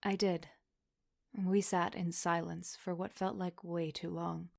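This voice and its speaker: A woman plays a teenage girl at a Catholic school in an audio drama. Her voice sits a little low. She is serious and guarded, both speaking and narrating in the first person. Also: little pitch movement, measured pace, creaky, darkish tone. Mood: tense, reflective.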